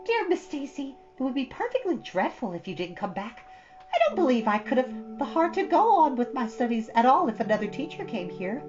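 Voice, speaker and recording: A woman's voice: high-pitched, sing-song, fairly quick, a little mellow, muffled recording, faint music behind, pitched above the performer's own voice. A woman voicing an eager, imaginative schoolgirl in a storybook reading, girlish and effusive, chattering dramatically. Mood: gushing relief.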